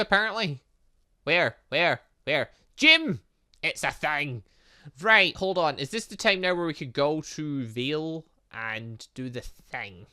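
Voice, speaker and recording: A man's voice: on the high side, bright, forceful tone. A British man giving casual, rambling let's play commentary and talking back to the game as he goes. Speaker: gaming channel host.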